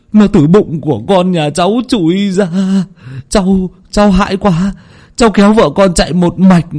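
A man voicing a tearful, desperate peasant father who pleads haltingly. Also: high-pitched, darkish tone, pitched above the performer's own voice.

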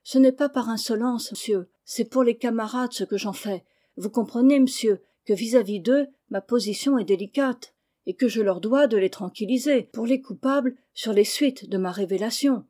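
A woman reading the part of a bold schoolboy, polite and firm, who keeps calm under pressure. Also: a little high, moderate pace, natural voice. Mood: steady.

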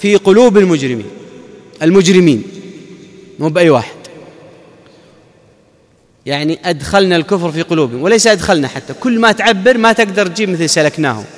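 High-voiced man teaching in a hall. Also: expressive, fast, pauses often. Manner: explanatory, asks the audience questions then answers. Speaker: Islamic scholar. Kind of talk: Quran exegesis lesson. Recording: long reverb of a large hall.

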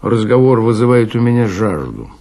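A male reader acts out a jaded, ageing nobleman gone to seed in a tavern. The voice is low and gravelly with a husky edge. He speaks with impassive indifference, as in a dramatised classic story. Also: sing-song, moderate pace, dark tone, exaggerated voice. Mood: indifferent, world-weary. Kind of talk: dramatic literary reading.

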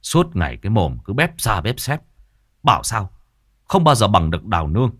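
A man's voice: mid-range voice, big pitch swings, fairly quick, fairly bright tone, dry recording, voice pushed up. Man voicing a blunt young stage actor, firm, curt, reproachful; storybook; dry close sound. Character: blunt young male opera actor, protective.

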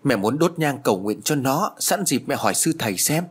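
A man's voice: mid-range voice, animated, brisk, slightly rough. A man voicing a grieving older mother, speaking in a trembling, fearful way. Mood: worried.

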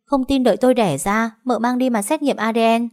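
A woman voicing a defiant, pregnant young female servant in an audio story, speaking in a pert, unhurried way. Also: a little high, darkish tone, voice pushed up, natural voice.

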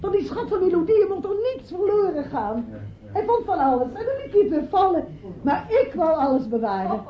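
An actress playing a genteel, effusive hostess devoted to an absent composer, in a Dutch radio play. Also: female voice, extremely high pitch, very animated, brisk. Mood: fond, effusive. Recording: muffled, roomy old radio play with crowd.

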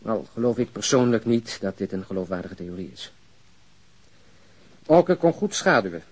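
Casting: principled, blunt detective for crime radio play, probing and deliberate, slightly rough-edged voice. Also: male voice, on the low side, very animated, low-quality recording. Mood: serious, probing. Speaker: actor in a radio drama. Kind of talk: Dutch crime audio drama acting.

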